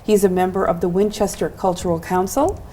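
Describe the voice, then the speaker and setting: A woman's voice: medium pitch, steady tone, brisk, warm tone, slight background noise. A woman hosting a local access television show, introducing guests and asking them encouraging questions. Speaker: host.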